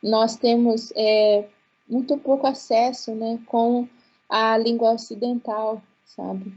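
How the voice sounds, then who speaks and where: A woman whose first language is Guarani, speaking as a panelist in an online webinar, earnest and halting with many restarts. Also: fairly high pitch, fairly even intonation, a little mellow, highs cut off. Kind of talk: webinar talk. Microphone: video call.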